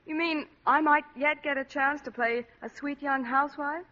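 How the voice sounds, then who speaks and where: An actress trading playful scripted banter with a host on a 1940s radio show. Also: female voice, high voice, steady tone, normal speed, natural voice. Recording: dull lo-fi 1940s radio broadcast.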